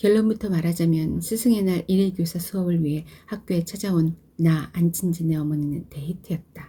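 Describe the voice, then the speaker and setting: The voice is somewhat breathy, with a dark, mellow tone. Its intonation stays fairly even. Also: woman. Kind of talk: audiobook novel reading.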